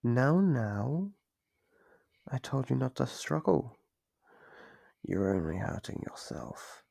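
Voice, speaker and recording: A man voicing a playful, sadistic monster from under the bed in an ASMR roleplay, gravelly and breathy, savoring his slow, mock-gentle taunts. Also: medium pitch, very animated, no room sound, full character voice. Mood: mocking menace. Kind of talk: ASMR roleplay, scripted monologue. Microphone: close microphone.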